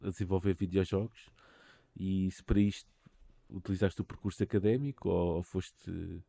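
A man's voice: sits low, steady tone, moderate pace, vocal fry, mellow. A man with a European Portuguese accent hosting a podcast, jokey and full of colloquial idioms, who asks long winding questions. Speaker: podcast host. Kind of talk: casual interview chat.

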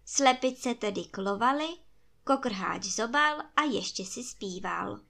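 A woman storyteller reading a folk fairy tale aloud in a lively, expressive way. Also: on the high side, creaky.

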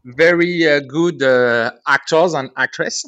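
A man in his forties with a French accent, speaking haltingly with many fillers as a guest on a podcast interview. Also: a little high, a bit bright, no echo, lo-fi sound. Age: 40s. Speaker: guest actor and director.

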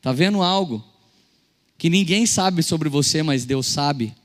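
Brazilian male pastor, young adult, high-set voice, storytelling sermon, church reverb. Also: animated, slow. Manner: storytelling with acted quotes, swings between loud and soft. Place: church service hall.

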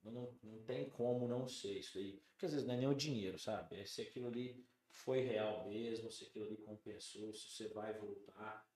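A man's voice: lowish voice, brisk, few pauses. A man from Brazil, a chef on a podcast, chatting casually and animatedly, acting out the people in his stories. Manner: animated storyteller, acts out quoted dialogue. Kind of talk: casual chat. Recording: roomy studio sound.

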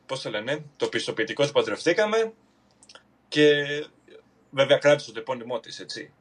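A man from Greece talks casually over a video call, his voice at an ordinary middle pitch. He speaks hesitantly, stopping and restarting often, with plenty of fillers. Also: very animated. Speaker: podcast guest. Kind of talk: casual podcast chat.

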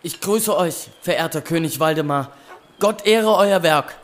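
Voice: mid-range voice, a little slow, natural voice. Humble medieval servant boy, acted out. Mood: deferential. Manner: deferential, formal, earnest storytelling. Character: humble, eager medieval army servant boy reporting to his king. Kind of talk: scripted historical audio drama.

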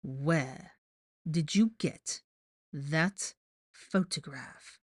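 Icy young male lead , acted by a woman narrator, low-pitched, clipped menace, tightly controlled temper, storybook drama. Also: no echo, studio quality, close to an everyday voice. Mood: seething. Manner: cold, measured, deliberate. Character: angry young man, icy, controlled, threatening.

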